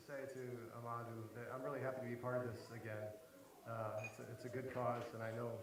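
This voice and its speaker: A man performing at a live benefit concert, chatting quietly and haltingly between songs in a self-deprecating way. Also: medium pitch. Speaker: singer-songwriter performer. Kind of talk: casual stage banter between songs. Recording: echoey live room with music.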